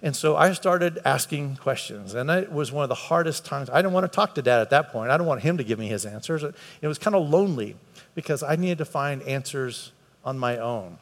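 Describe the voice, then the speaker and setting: A man's voice: medium pitch, expressive, brisk. A man preaching a conversational sermon to a congregation, earnest and repeating words for emphasis. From United States. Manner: earnest, repeats words for emphasis, voice climbs when stressing a point. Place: church hall with a live congregation. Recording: long hall reverb.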